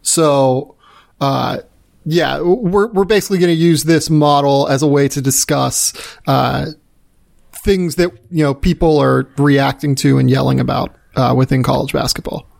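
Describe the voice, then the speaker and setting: A man's voice: medium pitch, steady tone, unhurried, gravelly, darkish tone. A man hosting a sports podcast in casual, conversational chat.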